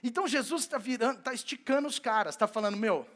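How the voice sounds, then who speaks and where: High-voiced male pastor in a church service, an animated storyteller who acts out the scenes. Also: fast. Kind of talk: sermon.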